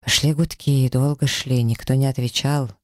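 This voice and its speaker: A man reading a first-person story as an audiobook narrator, in an even, somber way. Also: mid-range voice, normal speed, dry recording, studio quality. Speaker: audiobook reader.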